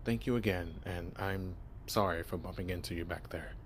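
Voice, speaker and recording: A man's voice: low voice, moderate pace, background noise. A man playing a shy, flustered young vampire. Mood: flustered, awkward. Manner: nervous, stammering, awkward. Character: shy, clueless young male vampire posing as human. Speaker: voice actor. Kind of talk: ASMR audio roleplay.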